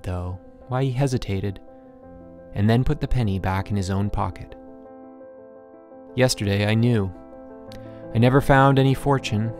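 A man narrating a literary short story as an audiobook, in a measured, reflective storytelling manner. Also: on the low side.

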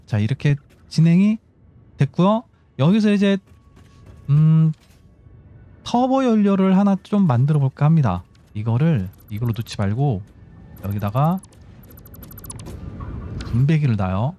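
A man's voice: fairly high pitch, lively intonation, unhurried, long pauses, warm tone, highs cut off. A man giving casual gameplay commentary, explaining build steps as he goes and talking to himself over faint game music. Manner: instructive, talks himself through building steps. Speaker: gaming YouTuber.

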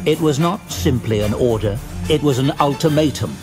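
A man narrates a fantasy tale in a dramatic, scripted style. His voice is of medium pitch, with music playing clearly behind it. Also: moderate pace.

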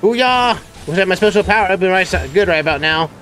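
Excitable high-voiced male game streamer. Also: quick pace, faint music behind. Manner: excitable, frequent "oh boy" exclamations and laughs. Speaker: gameplay streamer. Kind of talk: live gameplay commentary.

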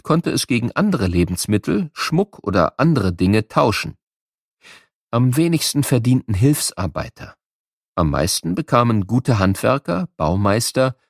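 A man's voice: fairly low pitch, no echo, studio quality. A man with a standard German accent narrating scripted educational material for children in an explanatory, storytelling manner. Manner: explanatory, storytelling, addressing listeners with questions.

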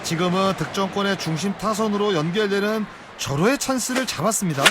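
A man's voice: sits high, a little fast, noisy background, natural voice. A man voicing an analytical baseball expert commentator in a video game, explaining plays conversationally.

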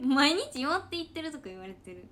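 A woman's voice: sits high, a bit bright, a little hiss or hum. A woman with a Kansai accent chatting casually on a late-night livestream, reading comments in a loose, giggly, rambling way and sounding sleepy. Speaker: idol trainee livestreaming.

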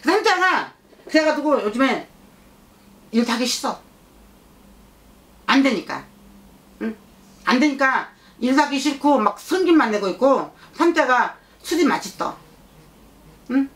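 Woman as a high-pitched, insistent child spirit. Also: a bit bright. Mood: pleading, insistent. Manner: childish, insistent, repetitive, scolding with prompting questions. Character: blunt, childlike child spirit channeled by a shaman. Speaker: shaman fortune-teller. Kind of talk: shamanic consultation, speaking as a spirit.

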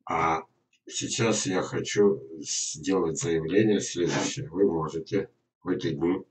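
Deep-voiced older man, halting delivery. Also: low-quality recording. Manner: halting, with drawn-out words and frequent pauses. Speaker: gardener presenting an online lesson. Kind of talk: informal instructional webinar talk. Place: indoors in a small dim room at a computer.

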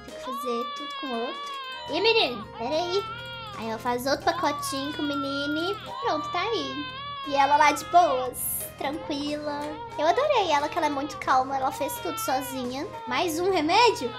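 A young woman giving chatty, giggly commentary while playing a browser game. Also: high voice. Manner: chatty, giggly, exclaiming, teasing. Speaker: gaming YouTuber. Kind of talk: casual gameplay commentary. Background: game music.

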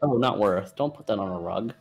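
A woman with a husky voice chatting casually and teasingly as a friend commenting on a game. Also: very deep voice, animated, a little fast, darkish tone. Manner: teasing, wry. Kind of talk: casual chat.

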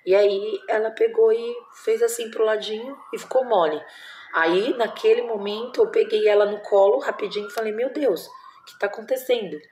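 A woman's voice: medium pitch, fairly even intonation, normal speed, a little mellow, slight background noise. A Brazilian woman in her forties, a mother telling a personal story at home in a casual vlog, emotional and tender, full of diminutives and fillers. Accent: Brazilian Portuguese. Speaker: vlogger, mother.

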